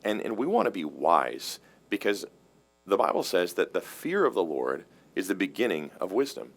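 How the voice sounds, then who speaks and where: Deep-voiced pastor explaining earnestly. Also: male voice, sing-song, normal speed, gravelly. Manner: earnest, explanatory, restarts and repeats words. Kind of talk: casual theological discussion.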